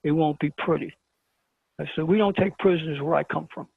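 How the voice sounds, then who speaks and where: A man's voice: a little high, a little fast, no room sound. A man with a Brooklyn accent, a talk show guest telling a personal story and acting out the dialogue. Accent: New York (Brooklyn). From Brooklyn, New York. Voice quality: gravelly, husky voice. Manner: animated storyteller who acts out dialogue. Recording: tinny phone-line call-in.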